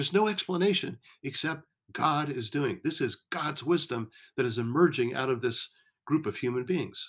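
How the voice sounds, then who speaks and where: Here a man speaks at a fairly high pitch. His intonation is lively. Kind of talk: solo podcast monologue. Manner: sarcastic at times.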